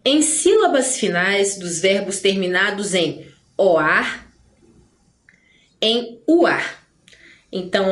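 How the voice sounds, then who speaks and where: A Brazilian woman teaching a grammar lesson, explaining in a chatty way and stretching words slowly to stress them. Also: on the high side, roomy sound.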